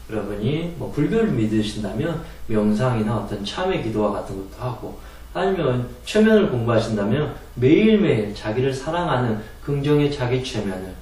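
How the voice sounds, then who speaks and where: A man lectures on meditation and letting go of anger, speaking in an earnest, explanatory way with rhetorical questions. His pitch moves a lot as he explains. He is heard from a distant mic in a very echoey room. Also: a little mellow. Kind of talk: spoken lecture on calming anger.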